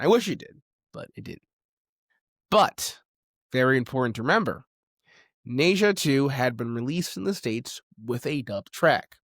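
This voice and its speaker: A man delivering an opinionated video essay, stressing key words emphatically and pausing for effect. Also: medium pitch, fairly bright tone, no echo, clean studio sound.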